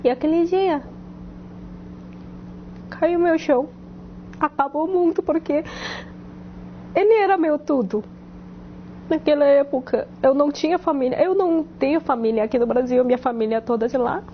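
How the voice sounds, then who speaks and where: A woman from South Korea with a Korean accent, a Korean native speaker, giving a halting personal testimony, muffled with faint noise. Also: sits high. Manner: halting, searches for words.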